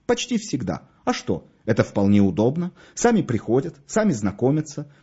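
A man voicing a smooth-talking middle-aged undertaker who gushes over his wares. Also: medium pitch, huge pitch swings, normal speed, mellow, lo-fi sound, full character voice. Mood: unctuous. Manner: salesman's patter, swooping with enthusiasm. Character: oily, gushing middle-aged male undertaker.

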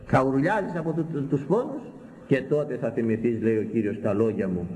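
A man preaching a sermon with fiery repetition, his voice leaping up into high exclamations. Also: darkish tone, big-room sound, a little hiss or hum, poor audio.

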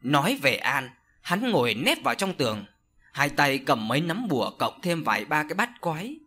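A man narrating a horror audio story in an expressive storytelling manner. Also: on the high side, normal speed, breathy edge.

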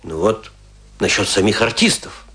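An actor playing a boastful, scornful provincial tragedian in a radio play, telling his tales theatrically with emphatic, pointed pauses. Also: on the low side, pushed and bright. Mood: scornful lament. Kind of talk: dramatic radio play monologue.

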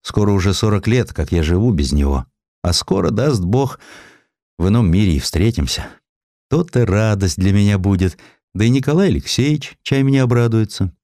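A poor, gentle old widow voiced by a man in an audio drama. The speech is plaintive and old-fashioned, lifted above the narrator's register with lively rises and falls, recorded dry. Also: fairly low pitch, normal speed, no room sound. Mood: guarded, wistful. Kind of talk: Russian audio drama storytelling.

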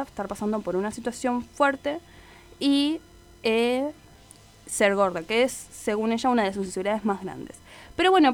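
A woman hosting a radio show, chatting casually with many fillers and self-corrections. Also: high-pitched. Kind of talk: casual radio chat about a TV series.

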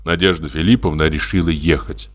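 A man narrating a classic short story in a measured, expressive way. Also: rumbling low. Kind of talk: literary audiobook narration.

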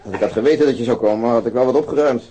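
Quick, mellow male police colleague acted. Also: medium pitch, husky, close to an everyday voice, rough recording. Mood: welcoming. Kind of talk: naturalistic radio drama dialogue.

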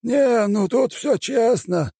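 A high, gravelly old shaman elder. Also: animated, mellow, dry recording, studio quality, full character voice. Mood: dismissive. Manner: drawn-out, strained high voice. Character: old male shaman elder, scheming and dismissive. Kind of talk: audiobook character voice.

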